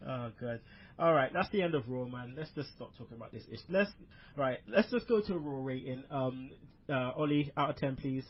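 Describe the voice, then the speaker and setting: A man with a raspy voice hosting a casual wrestling podcast, loose and swearing, repeating his punchlines. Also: mid-range voice, expressive, moderate pace, muffled recording. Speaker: podcast host.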